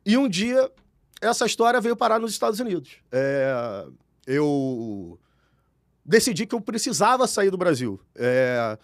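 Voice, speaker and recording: A man from Rio de Janeiro speaking with a Carioca accent, an animated and talkative podcast guest. His voice sits fairly high and carries a gravelly rasp. The recording is close and dry. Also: unhurried, no echo. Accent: Carioca Brazilian Portuguese. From Rio de Janeiro, Brazil. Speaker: guest executive. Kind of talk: podcast interview.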